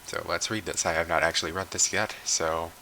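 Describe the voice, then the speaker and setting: A man with a raspy voice giving rambling, unscripted commentary, swearing freely and trailing off with fillers. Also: sits low, steady tone, brisk, sharp tone, a little hiss or hum, low-quality recording. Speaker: commentary YouTuber.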